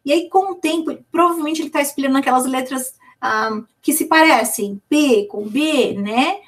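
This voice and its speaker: Brazilian woman teacher, reassuring and slightly distant. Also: sits high. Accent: Brazilian Portuguese. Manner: reassuring, repeats sounds slowly to demonstrate. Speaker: literacy teacher answering viewer questions. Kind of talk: casual live Q&A teaching.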